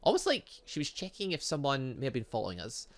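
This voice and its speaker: A man's voice: medium pitch, huge pitch swings, fast. A man hosting a gaming video, reading a visual novel aloud with casual joking asides and occasional stumbles over the words.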